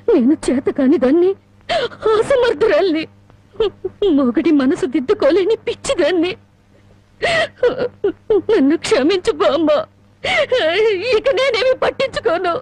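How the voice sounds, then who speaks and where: Bitter, wronged young wife. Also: female voice, very high-pitched, dry recording. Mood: despairing. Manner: sharp sarcastic reproach, tearful at times. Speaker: film actress. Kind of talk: melodramatic film acting. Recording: film soundtrack with loud score.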